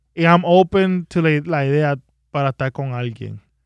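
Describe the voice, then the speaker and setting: At a fairly slow pace, a man with a plain, everyday voice speaks in a fairly high pitch with fairly even intonation, the sound dry and close with no echo over a quiet background. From Puerto Rico, Cabo Rojo (west). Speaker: podcast co-host. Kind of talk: casual chat.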